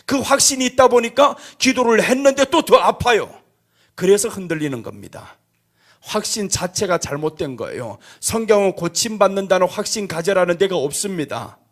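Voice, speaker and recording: A man's voice: high-pitched, animated, moderate pace, a bit bright. A man preaching a sermon as pastor, acting out prayers and asking the congregation rhetorical questions. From South Korea.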